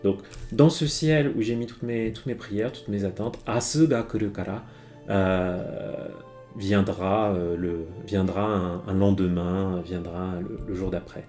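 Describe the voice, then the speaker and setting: A man's voice: deep voice, steady tone, unhurried, dark tone, faint music behind. A man teaching Japanese on a live stream, talking an audience through song lyrics, hesitant and full of fillers and restarts. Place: home streaming setup.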